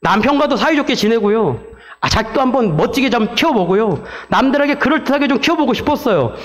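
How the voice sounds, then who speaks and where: Pastor preaching with a very high voice, animated and dramatic, mimicking sound effects. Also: male voice, quick pace. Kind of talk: sermon.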